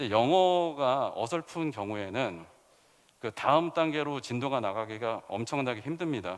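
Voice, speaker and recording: In a very clean recording with a silent background, a man talks at a medium pitch with lively intonation. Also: fairly slow pace. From South Korea. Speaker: startup founder and CEO. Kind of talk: conference presentation. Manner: halting, with many fillers.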